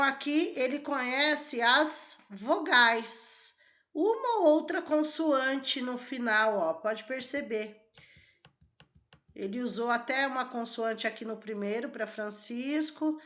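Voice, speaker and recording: Bright-voiced teacher woman. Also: a little high. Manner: explains step by step, asks the class questions. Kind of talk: exam-prep lesson walkthrough.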